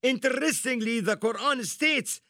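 A man's voice: very high voice, no echo, studio quality. A man hosting a Christian program, preaching and telling stories emphatically. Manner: emphatic, animated storytelling with quick laughs. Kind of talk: preaching to camera.

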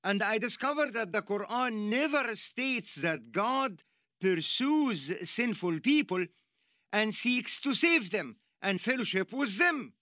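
Egyptian accent guy preaching, high voice, dry close sound, earnest and emphatic. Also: expressive, takes it slowly, sharp tone, dry recording. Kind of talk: sermon.

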